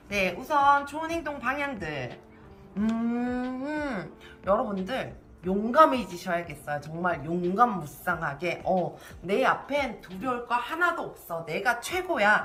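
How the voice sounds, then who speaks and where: Amid noticeable background noise and audible room echo, a woman with a fairly high pitch speaks at a very slow pace with very wide pitch swings. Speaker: tarot reader. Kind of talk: tarot reading to camera. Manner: many filler sounds, hesitant.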